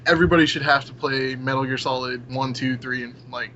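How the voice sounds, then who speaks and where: A man's voice: medium pitch, fairly even intonation, brisk, pushed and bright. A young man in a casual gaming discussion, giving opinions in an emphatic, slangy, informal way. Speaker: podcast panelist. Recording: muffled audio with clear background noise.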